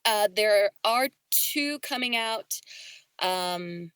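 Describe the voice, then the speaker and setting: A woman's voice: mid-range voice, expressive, very slow, a bit bright, smooth. A woman voice actor talking casually as a guest in a podcast interview.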